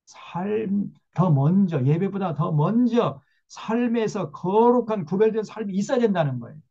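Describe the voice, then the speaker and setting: A man's voice: sits high, creaky, mellow, slightly rough, lo-fi sound. A male pastor preaching a sermon emphatically, with rhetorical questions.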